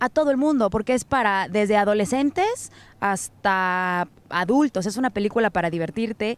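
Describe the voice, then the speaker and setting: This woman has a normal speaking voice, fairly high in pitch, with lively intonation, a moderate pace and very even loudness. The recording is very clean with a silent background, and the sound is dry and close with no echo. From Puebla, Mexico. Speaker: actress. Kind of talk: press interview.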